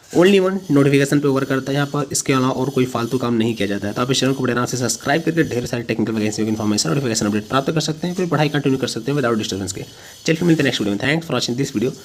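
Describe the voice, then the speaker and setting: Male explainer host, medium pitch, informal and emphatic, drops in English words while addressing students. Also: slight background noise. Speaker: host of a job-notification video channel.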